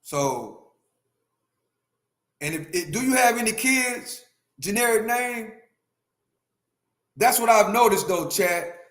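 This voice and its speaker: This livestream host, a man in his fifties, sounds animated, with a voice that sits high and is a bit bright. He goes slowly with long pauses in a reverberant room, ranting emphatically, repeating his views, and talking directly to chat.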